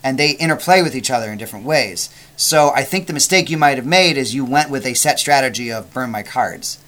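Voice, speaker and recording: A man's voice: mid-range voice, lively intonation, fairly bright tone. A man co-hosting a casual board game chat, joking and teasing his partner. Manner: joking, quick to tease. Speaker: podcast co-host.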